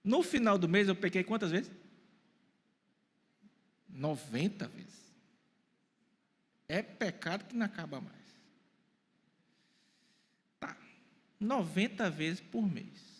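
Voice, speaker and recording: Animated preaching man, high voice. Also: slow, pauses often, husky, big-room sound. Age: 40s. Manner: animated preaching with questions to the congregation. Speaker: pastor. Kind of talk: sermon. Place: church hall.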